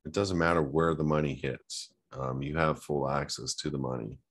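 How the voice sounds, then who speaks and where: Casting note: male host, extremely low voice, relaxed off-the-cuff advice, lots of ums and restarts. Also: moderate pace, breathy edge. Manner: loose and conversational, many fillers and restarts. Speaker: host answering a viewer question. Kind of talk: casual advice talk, reading a question aloud then answering.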